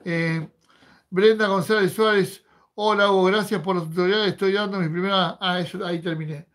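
Argentine guy hosting a fishing live, highish voice, jokey, reads comments out loud. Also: fairly even intonation, normal speed. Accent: Rioplatense Argentine Spanish. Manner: chatty, joking, reads comments aloud. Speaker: fishing livestream host. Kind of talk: casual livestream chat reading viewer comments.

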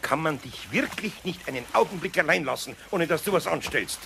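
Grumbling master carpenter, Bavarian accent, gravelly, swooping high intonation, exasperated, audio drama. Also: male voice, expressive, fairly quick, pushed and bright, heavily acted. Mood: indignant, scolding. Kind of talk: German children's audio play acting. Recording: faintly noisy old cassette recording.

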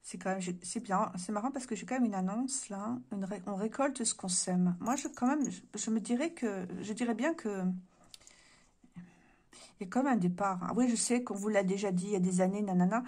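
A woman's voice: mid-range voice, a little fast, a little mellow. A woman doing a casual card reading to camera indoors, musing aloud with many hesitations and her voice giving out. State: voice giving out, clears throat. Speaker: card reader. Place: room indoors.

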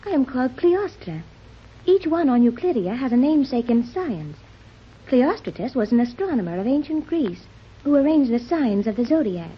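A formal, oddly detached teenage girl raised on a strange island, in an old radio serial. Her voice is high and lively, her phrasing precise and proper. The recording is dull with a faint hiss. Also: moderate pace, slightly rough, exaggerated voice. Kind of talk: 1930s radio drama acting.

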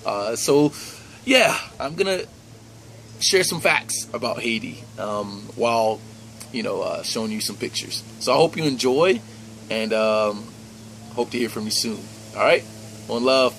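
A young man talks straight to the camera in an earnest, conversational way with easy laughs. His voice sits at a middle pitch. A faint hum of room ambience runs underneath. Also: expressive, measured pace, fairly bright tone. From United States. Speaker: vlogger. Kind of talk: personal reflective vlog. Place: indoors by a plain wall.

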